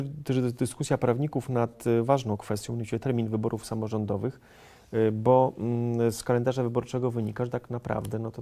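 Gravelly middle-aged male interviewer. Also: mid-range voice, mellow. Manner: asks long, winding questions. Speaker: TV host. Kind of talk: political TV interview. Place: TV studio. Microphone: lapel mic.

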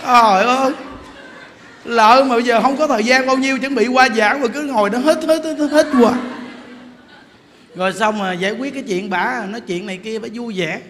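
A Buddhist monk giving an animated sermon, joking as he tells stories and addresses the audience directly. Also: extremely high pitch, brisk, big-room sound, slight background noise. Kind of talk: lively sermon.

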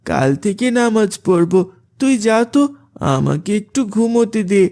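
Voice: mid-range voice, expressive, normal speed, vocal fry, warm tone. An actor voicing a drowsy, lazy cartoon boy. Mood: sleepy. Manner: drowsy, dismissive. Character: lazy sleepy boy who skips prayers.

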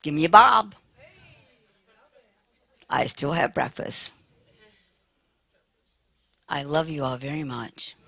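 An older American woman preaching a lively sermon with humor, talking in a big, animated, playful voice. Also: low-pitched, slow pace, creaky, pauses often, no room sound.

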